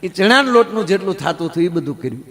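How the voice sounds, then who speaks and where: Animated male storyteller. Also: high-pitched, rapid-fire. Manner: animated storytelling, swinging from hushed asides to loud declaiming. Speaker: folk comedian and storyteller. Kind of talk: Gujarati folk comedy storytelling on stage. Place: stage at a religious gathering.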